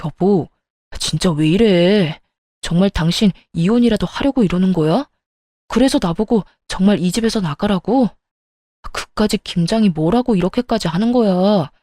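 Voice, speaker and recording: A woman's voice: medium pitch, normal speed, warm tone, dry recording, clean studio sound, natural voice. A woman playing a coaxing, placating husband. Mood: pleading. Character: pleading middle-aged husband, man. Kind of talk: radio story dialogue.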